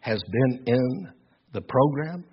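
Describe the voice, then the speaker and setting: Older man, preacher, husky loud voice, emphatic sermon, dull lo-fi recording. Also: mid-range voice, expressive, slow. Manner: earnest, emphatic, repeats words while building points.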